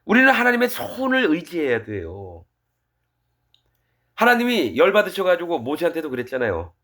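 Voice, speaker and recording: A man's voice: on the high side, huge pitch swings, moderate pace, sharp tone. A male pastor giving a sermon in a colloquial, conversational manner, reading scripture aloud and explaining it.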